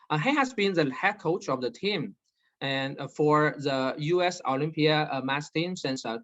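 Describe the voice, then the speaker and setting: Guy hosting a zoom talk, kinda high voice, lots of uhs, slightly dull audio. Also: fairly bright tone. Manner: many fillers and restarts, halting delivery. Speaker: webinar host and moderator. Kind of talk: hesitant online panel moderation. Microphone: video call.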